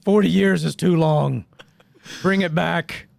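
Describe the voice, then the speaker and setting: Sarcastic podcast host, dry sound. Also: male voice, fairly high pitch, slow, gravelly, no room sound. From Northeast Arkansas. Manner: sarcastic, rambling storyteller. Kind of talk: casual podcast chat.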